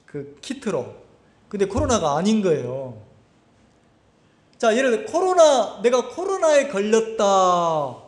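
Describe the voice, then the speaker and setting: A man's voice: high voice, sing-song, unhurried. A male pastor preaching a sermon at a church camp, constantly asking the congregation questions. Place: church summer camp service. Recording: echoey hall.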